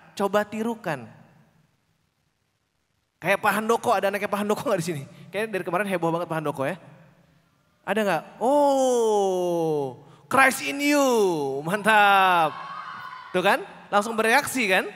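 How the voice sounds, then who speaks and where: A man leads a public speaking workshop, talking to a young crowd with a playful, teasing energy. His voice sits high for a man, and he drops into short acted-out bits of dialogue. The sound carries a long hall reverb. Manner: lively, teasing, acts out little quoted lines. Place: large conference hall.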